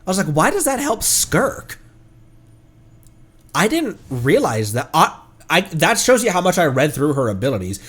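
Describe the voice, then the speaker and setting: A man doing casual live gaming commentary as a streamer, talking in an excitable, rambling way. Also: a little high, moderate pace, husky. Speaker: game streamer.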